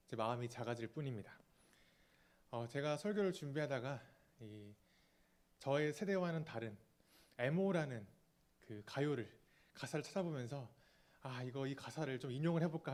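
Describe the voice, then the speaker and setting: A man in his thirties preaching a sermon as pastor, earnest and confessional, often trailing off softly, with small fillers and restarts. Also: fairly high pitch. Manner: fillers and self-corrections.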